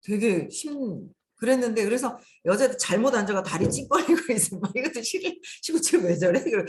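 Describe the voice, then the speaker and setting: Lively Korean woman giving a spiritual talk. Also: mid-range voice. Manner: animated, acts out quoted thoughts. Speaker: host.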